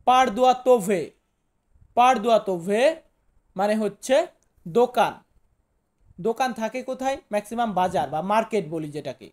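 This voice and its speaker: A man from Bangladesh, giving a vocabulary lesson to viewers. He repeats each new word slowly and asks rhetorical questions before answering them. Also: sits high, a little mellow. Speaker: language teacher.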